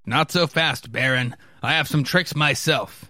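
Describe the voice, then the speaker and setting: A man's voice: a little high, a little slow, pushed and bright, no echo, studio quality. A man voicing earnest, commanding military officers in stiff, declamatory read-aloud story dialogue. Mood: defiant.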